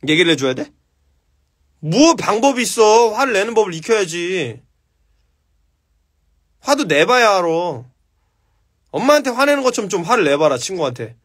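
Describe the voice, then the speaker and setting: A man's voice: high-pitched, big pitch swings, moderate pace, long pauses, a bit bright. A man hosting a casual live stream, answering viewer questions with blunt, profane advice.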